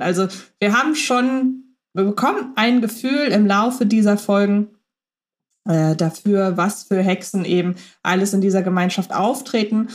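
A woman co-hosting a fan podcast in casual chat, thoughtful, checking her notes and correcting herself. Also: mid-range voice. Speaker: podcast co-host.

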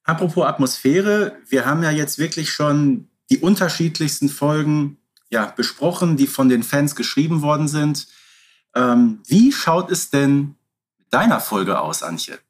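A man's voice: fairly high pitch, lively intonation, a little slow. A man chatting casually as a podcast co-host. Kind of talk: casual fan podcast chat.

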